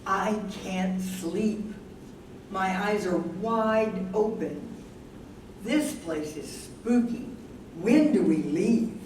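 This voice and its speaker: Woman doing a wistful muddled older wife in a play reading, slow, roomy noisy sound. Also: medium pitch. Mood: uneasy, agitated. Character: Jeannie, older wife with Alzheimer's, wistful and confused. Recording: roomy distant stage mic, loud noise.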